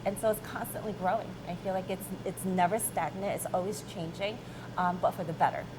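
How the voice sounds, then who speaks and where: A woman's voice: lowish voice, fairly even intonation, a little fast. A woman in her late thirties, born in South Korea, chatting easily and laughing as an interview guest about her work as a chemist. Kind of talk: casual interview. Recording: noisy background.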